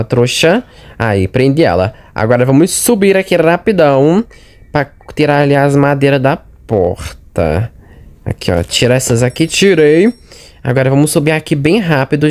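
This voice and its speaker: A man's voice: medium pitch, a little mellow. A man with a Brazilian accent giving chatty let's-play commentary on a horror game, talking straight to his viewers and jumpy at every scare. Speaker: gaming channel host.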